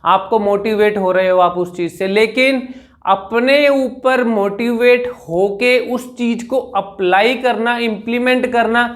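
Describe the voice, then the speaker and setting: A young Indian man with a Hindi accent teaching speech in a spoken lesson, drawing words out slowly to demonstrate vowels. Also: extremely high pitch, steady tone. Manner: slow drawn-out demonstration of vowels, repeats "ठीक है ना". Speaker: speech coach.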